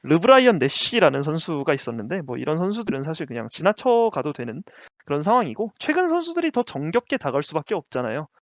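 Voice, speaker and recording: A man co-hosting a casual basketball talk show, lively and quick to laugh, sometimes stumbling over names. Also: fairly high pitch, dry recording, dull audio. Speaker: podcast co-host.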